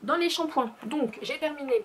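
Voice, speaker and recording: A woman's voice: sits high, moderate pace, a bit bright, slight background noise. A woman in her thirties chatting casually as a beauty vlogger, full of fillers and restarts, sometimes dropping to a murmur. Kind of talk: casual chat.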